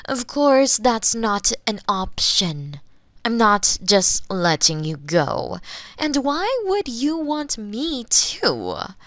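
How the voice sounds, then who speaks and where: Woman acting a slow, smug female mad scientist. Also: on the high side, very animated, a bit bright, no room sound, heavily acted. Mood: indignant, condescending. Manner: theatrical, condescending, sighing, slipping into breathy whispers. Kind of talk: roleplay ASMR monologue, spoken to the listener. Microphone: close binaural microphone.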